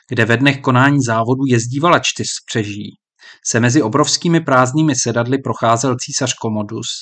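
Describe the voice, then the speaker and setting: Narrating a historical novel as an audiobook, a man reads in a measured, even mid-range voice, lifting it slightly for the characters' lines.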